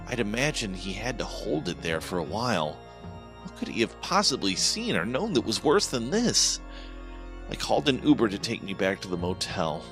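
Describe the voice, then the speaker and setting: A man's voice: on the low side, a bit bright. A man narrating a first-person horror story in a tense, dramatic manner over background music. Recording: music playing behind.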